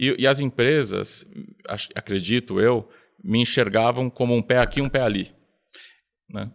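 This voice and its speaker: Dry and close with no echo, a man at medium pitch talks at a fairly slow pace with ordinary pitch variation and long, frequent pauses. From Brazil. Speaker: tech company founder and CEO. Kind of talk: podcast interview.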